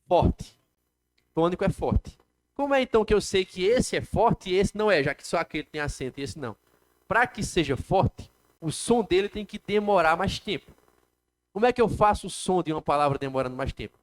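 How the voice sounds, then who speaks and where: A man with a Brazilian Portuguese accent teaching a live classroom lecture, explaining step by step and asking the class questions. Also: on the high side. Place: classroom with students.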